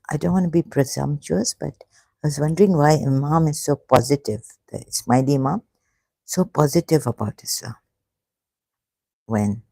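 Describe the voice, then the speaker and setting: A speaker talks alone on a livestream, halting and emotional, often breaking off mid-phrase. The voice is gravelly and mellow in tone, and the recording is dry and close. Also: mid-range voice, dry recording. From Pakistan, grew up in Karachi. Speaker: online religion commentator. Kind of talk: rambling solo livestream talk.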